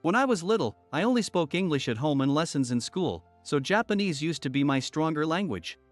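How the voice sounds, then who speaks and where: A man narrating a first-person story in a steady, even storytelling manner. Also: on the high side, a little fast, dry recording. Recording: soft music bed under voice.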